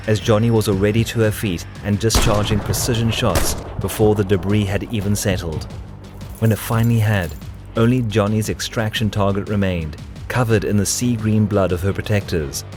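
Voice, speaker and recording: A man's voice: on the low side, moderate pace, over music, natural voice. A man narrating a tense cyberpunk action audio drama as a scripted storyteller. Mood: tense, dramatic.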